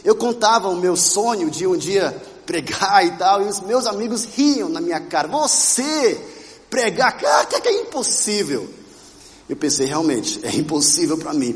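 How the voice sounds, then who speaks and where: A Brazilian man preaching to a congregation, telling his own story in a lively way and putting questions to the listeners. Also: sits high. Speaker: pastor. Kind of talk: sermon with personal testimony. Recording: reverberant church hall.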